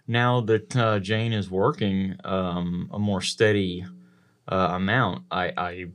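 Man chatting as an animated podcast co-host. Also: low voice, slow. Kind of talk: casual chat, anecdotes.

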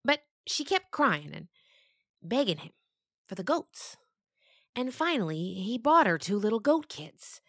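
A woman voicing a patient goat who tells a story to younger goats and gently corrects them. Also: medium pitch, dry recording, clean studio sound.

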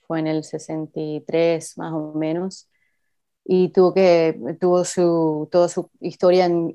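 Low, mellow woman with a mixed Cuban-Argentine accent. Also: gravelly. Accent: mixed Cuban and Argentine Spanish. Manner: hesitant, many fillers, mixes in English phrases. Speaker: interview guest. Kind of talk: casual conversation. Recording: dull lo-fi recording.

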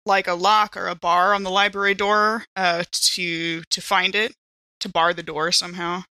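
A woman takes part in a tabletop roleplaying game, talking casually as she acts and plays. Her voice is bright and crisp-edged. It is recorded dry, without room sound. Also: lowish voice, little pitch movement, normal speed, no room sound. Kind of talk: casual in-character play and game chat.

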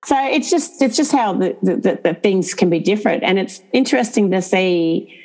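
A woman's voice: medium pitch, lively intonation, normal speed, a little mellow, rough recording. A middle-aged Australian woman with an Aboriginal Australian accent, talking casually and emphatically, repeating phrases for stress. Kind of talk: casual conversation.

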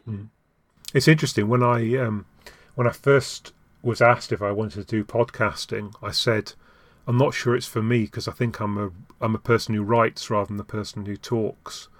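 A man with a somewhat low voice hosts a casual podcast chat, recorded dry and close. He stumbles and repeats words as he goes, with a dry, self-mocking humour. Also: steady tone, moderate pace, dry recording. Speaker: podcast host.

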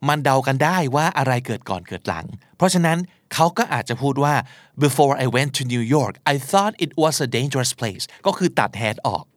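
Male talk host, animated delivery, casual and slangy, dry studio sound. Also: medium pitch, fast talker, few pauses, dry recording. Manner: lively, conversational, slangy, with emphatic asides. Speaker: podcast host teaching English.

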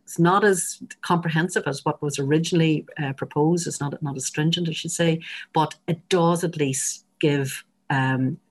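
An Irish woman with a husky, slightly breathy voice gives explanations in an interview. She feels her way through sentences, often stopping to rephrase. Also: low voice, fairly even intonation, normal speed. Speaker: interview guest, public health advocate.

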